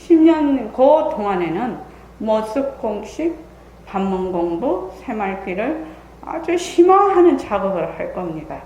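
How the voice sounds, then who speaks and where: A woman speaks at a very slow pace in a fairly high voice, with very wide pitch swings and big swings in loudness. Noticeable background noise and audible room echo fill the recording. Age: 60s. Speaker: Zen meditation center head teacher. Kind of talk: dharma talk. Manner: measured, with many filler sounds.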